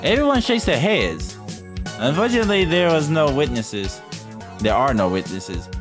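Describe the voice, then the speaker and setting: A man's voice: a little high, sing-song, moderate pace. Male streamer reading over game music. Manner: irreverent, swearing asides. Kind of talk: casual let's-play translation with commentary.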